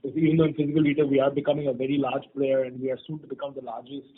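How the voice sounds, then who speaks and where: A man's voice: medium pitch, level tone, very fast. A man answering questions as a company executive on an earnings call, hesitant and repeating his phrases. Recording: dull phone conference line.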